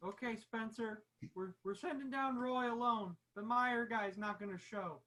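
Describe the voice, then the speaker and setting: A woman's voice: a little high, a little slow, a bit bright, low-quality recording. A woman acting comic movie characters in a virtual screenplay table read. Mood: matter-of-fact.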